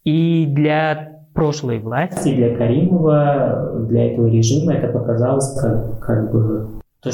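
A thoughtful interview guest from Uzbekistan speaks hesitantly in a mellow, mid-range voice with vocal fry. His Russian has a Central Asian accent, and the audio is poor.

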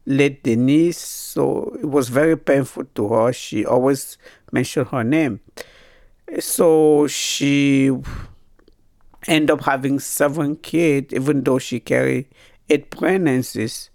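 Slow, gravelly woman with a Cameroonian French accent. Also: very deep voice, steady tone, a little mellow, no room sound, studio quality. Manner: halting, searching for words. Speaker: guest. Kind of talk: personal life story.

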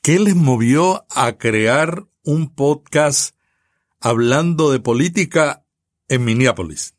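A man with a Puerto Rican accent hosting a podcast, reading a scripted intro and interviewing guests in a measured, announcer-like way. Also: mid-range voice, animated, dry recording, studio quality. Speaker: podcast host.

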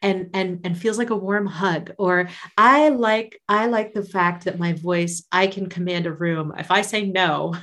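A woman's voice: lowish voice, fairly even intonation, unhurried, few pauses, a bit bright. A woman guest on a podcast, a singer and life coach, talking in a casual, enthusiastic and encouraging way and laughing often.

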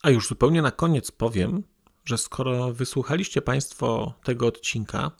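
A man's voice: mid-range voice, normal speed, creaky. A man addressing podcast listeners formally and politely as the host.

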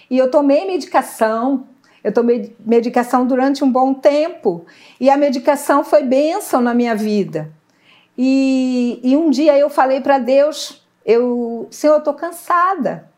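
A middle-aged woman giving an emotional faith testimony, earnest and halting, often searching for words. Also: high voice, warm tone. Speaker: guest sharing testimony.

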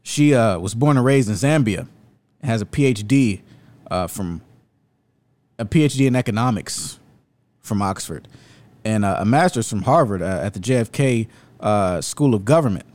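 A man's voice: lowish voice, animated, moderate pace, pauses often, darkish tone. A man hosting an opinionated video commentary, speaking in an emphatic, rhetorical and indignant way. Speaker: commentary host.

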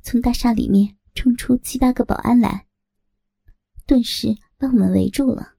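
A woman narrating a novel in the first person as an audiobook, steady and even. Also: a little high, normal speed, gravelly, dry recording.

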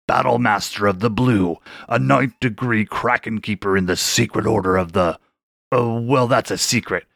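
A man voicing a huge ancient male king shark in a storybook, speaking in a deep, growly, slow and solemn way. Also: gravelly, fairly bright tone, dry recording, clean studio sound, exaggerated voice. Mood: grand. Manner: slow, solemn, stately speech. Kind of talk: storybook character voice.

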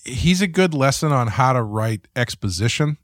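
A man's voice: mid-range voice, lively intonation, normal speed, no room sound, clean studio sound. A man co-hosting a casual podcast, chatty and jokey. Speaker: podcast co-host. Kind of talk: casual chat.

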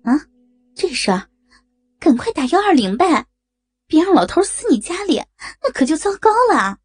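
A brisk woman friend, voiced by the narrator pressing hurried advice, her voice mellow and a bit husky. The reading is close and dry, with faint music. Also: on the high side, lively intonation, no echo. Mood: urgent.

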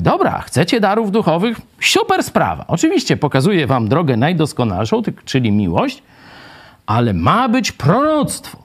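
A man leading a lively Bible study lecture, ironic and animated, asking the group questions and tagging his points with a quick "right?". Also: a little high, creaky, breathy edge. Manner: many fillers and "nie?" tags.

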